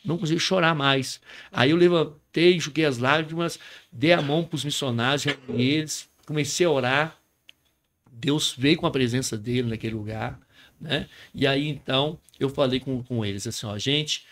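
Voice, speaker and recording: A man with a Brazilian Portuguese accent, a pastor appearing on a podcast, tells his personal testimony in an earnest way and often adds tag questions. He speaks at normal speed, with medium pitch and a fairly bright tone.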